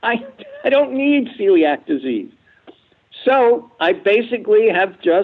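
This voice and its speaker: A man speaks with an American accent. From US, Buffalo New York. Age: 60s. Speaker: television writer and producer. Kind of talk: interview conversation.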